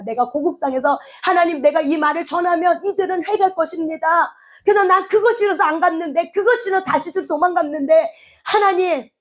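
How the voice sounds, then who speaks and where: Angry pleading prophet, high pitched, indignant; a woman acts him out in a sermon. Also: close to an everyday voice. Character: angry male prophet begging God to die.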